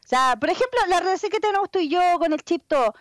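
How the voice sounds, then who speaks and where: A young woman with a Chilean accent, telling a story in a casual chat, expressive and full of slang. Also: extremely high pitch, quick pace, no room sound, clean studio sound. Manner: expressive, slangy storyteller who acts out quotes.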